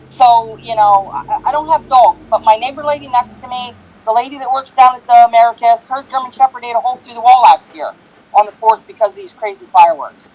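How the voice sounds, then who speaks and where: A woman speaks at a fairly quick pace in a high pitch, with lively intonation and big swings in loudness, the sound dry and close with no echo over noticeable background noise. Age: 50s. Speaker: resident commenting at council meeting. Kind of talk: public comment.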